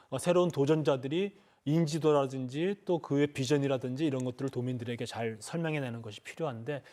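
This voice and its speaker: Middle-aged male ex-politician, measured and halting, lots of fillers, studio panel guest. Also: on the high side, a little mellow. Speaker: former lawmaker, panel guest.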